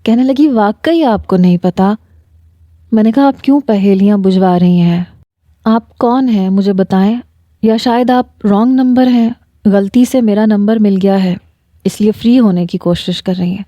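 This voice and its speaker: A woman's voice: medium pitch, warm tone, dry recording. A woman with a Pakistani Urdu accent reads a first-person romance story aloud, voicing a young man and his fiancée in the same voice. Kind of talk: scripted narration.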